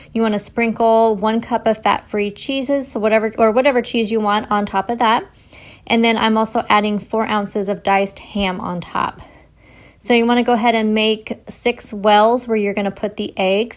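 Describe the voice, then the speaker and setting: Young adult woman, cooking vlogger, plain steady instructional delivery, home kitchen. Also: medium pitch. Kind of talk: voice-over cooking tutorial.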